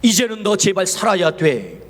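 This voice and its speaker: A man with a high voice preaching a Sunday sermon in a church sanctuary, its long reverb trailing each phrase. He keeps asking the congregation questions, at times dropping soft and low, at times lifting his voice. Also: very animated, moderate pace. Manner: preaching with rhetorical questions, swings between soft and raised passages. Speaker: pastor.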